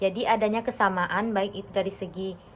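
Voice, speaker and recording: The recording is very clean, and the background is silent. Here a woman speaks at a moderate speed with fairly even intonation. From Indonesia, Minangkabau (West Sumatra). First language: Minangkabau (speaking Indonesian). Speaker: university student. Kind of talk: student presentation. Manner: halting with frequent fillers.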